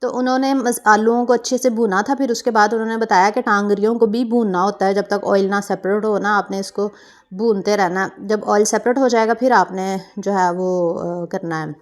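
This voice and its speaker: A woman's voice: mid-range voice, fairly even intonation, moderate pace. A young woman from Pakistan, narrating her cooking vlog in a chatty, meandering way full of fillers and self-corrections. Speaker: cooking vlogger.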